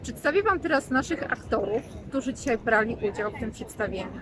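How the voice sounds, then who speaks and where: A woman's voice: a little high, lively intonation, a little fast, low-quality recording. A woman hosting a vlog interview in a courteous, slightly hesitant, formal way. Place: outdoors in a town street. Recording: outdoor recording with crowd and traffic.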